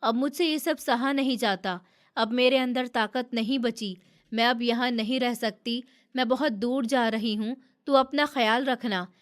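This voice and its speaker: A woman voicing a beaten, broken-down mother who speaks weakly and quietly. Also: on the high side, measured pace, natural voice. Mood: weary. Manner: weak, quiet.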